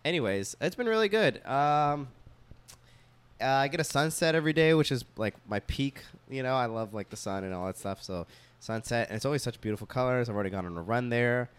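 Lively-voiced man rambling in casual chat. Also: a little fast, smooth. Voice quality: high-pitched voice, in his own words. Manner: rambling, many fillers and swearing. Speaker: podcast co-host.

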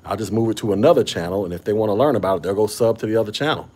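A man's voice: lowish voice, very fast, darkish tone. A man hosting a casual podcast chat, talking with a slight stutter and frequent restarts. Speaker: podcast host. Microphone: podcast microphone.

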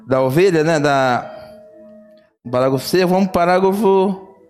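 A man's voice: high voice, moderate pace, darkish tone, soft background music. A man preaching a sermon, telling a story fervently and repeating phrases. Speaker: pastor.

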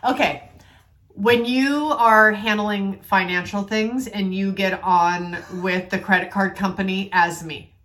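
A woman's voice: medium pitch, steady tone, a little slow, fairly bright tone. A woman co-hosting a casual podcast with her husband, frank and teasing, swearing now and then. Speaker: podcast co-host. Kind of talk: casual couple banter.

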